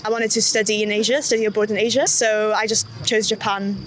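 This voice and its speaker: A woman's voice: medium pitch, flat delivery, a little fast, a little hiss or hum, low-quality recording. A young woman from Wales with a Welsh accent, a university student chatting in a street interview, full of "like" and "yeah". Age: young adult. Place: outdoors on a city street.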